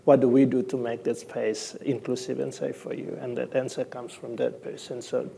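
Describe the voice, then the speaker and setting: Soft-spoken young man with a gravelly voice. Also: medium pitch, flat delivery, normal speed, slight background noise. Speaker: panellist. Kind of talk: panel discussion answers. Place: conference stage with plants.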